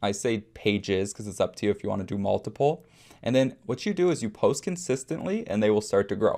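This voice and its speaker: Lively intonation and an energetic tone mark this man's medium-pitched voice. The recording is very clean, with a silent background. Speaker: online marketing youtuber. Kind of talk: screen-share tutorial. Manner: fast; casual, energetic.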